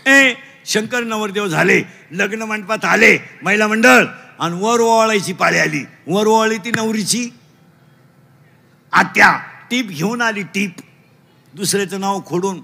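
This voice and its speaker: A man's voice: high-pitched, a little slow, gravelly, bright, forceful tone. A man preaching a humorous kirtan, telling jokes and quizzing the crowd. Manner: jokey, storytelling, quizzing the audience with call and response.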